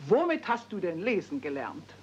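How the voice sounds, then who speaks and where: Imperious strict housekeeper lady, stiff formal delivery, lively swoops, muffled old radio play tape. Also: normal speed. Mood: appalled. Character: strict, haughty, easily scandalised housekeeper lady. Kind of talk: 1970s radio play acting. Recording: dull, rumbly, noisy old cassette transfer.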